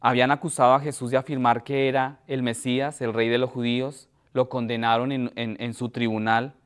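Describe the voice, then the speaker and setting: A man preaching in a church, reading a scripture passage aloud and then explaining it with frequent pauses and restarts. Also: mid-range voice, flat delivery, smooth. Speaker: pastor.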